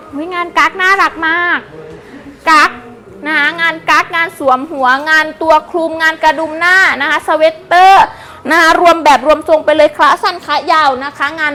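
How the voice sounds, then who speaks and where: A woman selling on a live stream with fast, excitable hype, gushing and repeating prices while chatting to customers. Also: sits high. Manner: chatty, addresses viewers with polite endearments. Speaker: live-stream seller of wholesale second-hand clothing.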